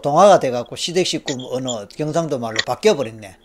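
A man's voice: mid-range voice, lively intonation, fast, background noise. A male counselor guiding a trance session, coaxing and prompting in a ceremonial tone.

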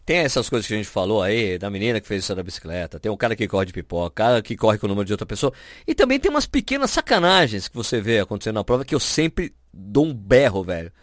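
Lively, fast-talking Brazilian man. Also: lowish voice, dry recording, studio quality. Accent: Brazilian Portuguese. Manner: animated, acts out quoted people. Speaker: podcast host. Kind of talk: casual storytelling chat.

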